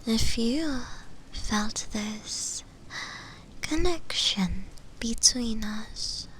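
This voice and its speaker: Very slow whispering shadow demon played by a woman. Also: mid-range voice, a little hiss or hum, poor audio. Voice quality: breathy, almost entirely whispered. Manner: halting, lingering pauses, intimate and coaxing. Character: flirty, possessive female shadow demon, shy yet obsessive. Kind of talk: whispered ASMR roleplay for sleep.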